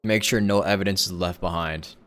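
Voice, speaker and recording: A man's voice: deep voice, steady tone, a little fast, a bit bright. A man streaming a video game and giving casual, off-the-cuff reaction commentary. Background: game music.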